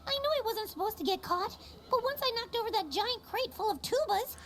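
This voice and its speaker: Tiny squeaky bee boy for a cartoon, super high, rambly n sheepish, music under it. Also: animated, brisk, a bit bright. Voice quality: squeaky, childlike. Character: hyperactive apologetic little boy bee sidekick. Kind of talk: cartoon audio drama. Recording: music behind the voice.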